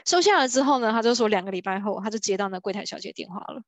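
A woman's voice: medium pitch, animated, racing, dry recording. A woman, talking about a sales book in a casual lecture style, full of little fillers and acted-out quotes. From Taiwan. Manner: chatty, many fillers like 哈 and 哦, acts out quoted people. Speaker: book-sharing speaker on B2B sales.

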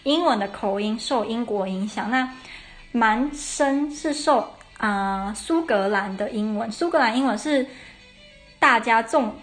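Young woman, slightly high voice, podcast lesson host; chatty, self-correcting, with soft music underneath. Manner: chatty, explains step by step, corrects herself mid-sentence. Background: faint traditional Irish music.

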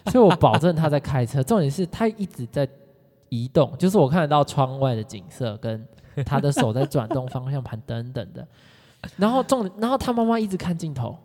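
A podcast co-host, telling stories in an animated, excitable way. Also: medium pitch. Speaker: podcast co-host, former education sales consultant. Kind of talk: casual storytelling chat. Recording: long hall reverb.

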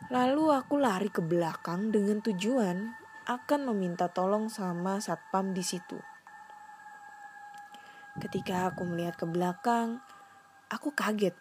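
Slow-talking woman telling a horror story. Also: medium pitch. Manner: slangy, conversational, dramatic. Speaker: horror podcast narrator. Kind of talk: casual storytelling. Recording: noisy background hiss.

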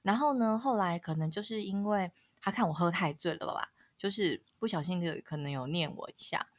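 A woman, a podcast co-host telling a story in casual chat, laughing often and leaping up in pitch at dramatic moments. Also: a little fast.

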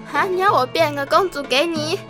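A woman's voice: sits high, fairly quick, voice pushed up, lightly acted. A woman voicing a skeptical lamp genie who sets firm terms in a children's storybook. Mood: surprised. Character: lamp genie, skeptical, stern taskmaster to its master. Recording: music behind the voice.

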